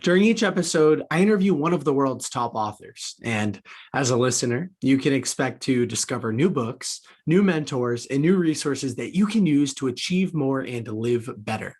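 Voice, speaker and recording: A man's voice: medium pitch, lively intonation, moderate pace, a little mellow, breathy edge. A man hosting a podcast interview in a conversational, upbeat and articulate way.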